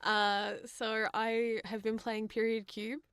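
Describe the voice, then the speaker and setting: A woman's voice: on the high side, little pitch movement, takes it slowly, a bit bright, clean tone, dry recording. An Australian woman co-hosting a podcast, chatting casually about games in a giggly, chatty manner. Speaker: podcast co-host. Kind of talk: casual gaming chat.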